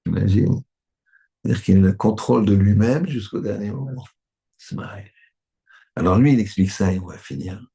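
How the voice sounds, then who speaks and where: A man's voice: on the low side, expressive, a little fast, creaky, dark tone, husky. A man, a rabbi, giving a Torah lesson in a conversational way, often checking that his listeners agree.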